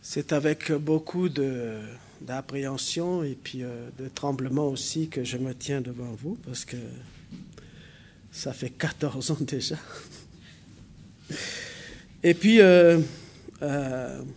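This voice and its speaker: A man from New Caledonia whose first language is a local New Caledonian language, preaching a sermon in a church hall, halting with fillers, then building to emphatic preaching. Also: mid-range voice, darkish tone, slight background noise.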